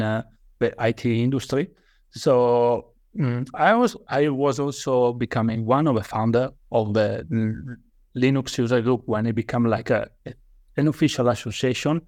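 A man's voice: medium pitch, darkish tone, no room sound, clean studio sound. A man from Italy with an Italian accent, speaking English as a guest on a podcast interview, hesitant with many fillers and restarts. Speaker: guest author.

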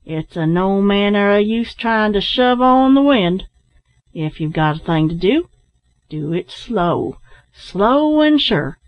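A woman voicing a stolid, opinionated sailor man with emphatic, drawn-out rustic speech in a storybook. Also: mid-range voice, expressive, lo-fi sound. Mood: sage, stolid. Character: slow, homespun, opinionated sailor man dispensing maxims.

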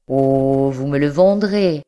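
A reader voicing a young male nobleman student, courtly and affable but obsessively insistent, in a slow audiobook reading. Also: medium pitch, warm tone, close to an everyday voice. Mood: courteous. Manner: courtly, insistent, rising to fervor.

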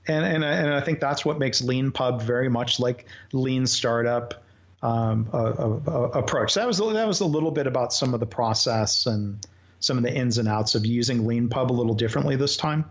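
Halting, thoughtful man on a dull line. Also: mid-range voice. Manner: thoughtful, halting, with frequent fillers and restarts. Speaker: author guest. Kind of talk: conversational interview. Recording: slightly dull lo-fi audio.

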